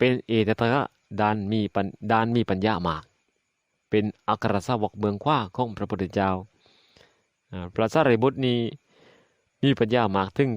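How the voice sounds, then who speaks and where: Over a quiet background, a man with a normal speaking voice and a fairly low pitch keeps a very even loudness and ordinary pitch variation. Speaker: Buddhist monk giving a dhamma talk. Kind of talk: radio dhamma sermon. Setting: radio broadcast.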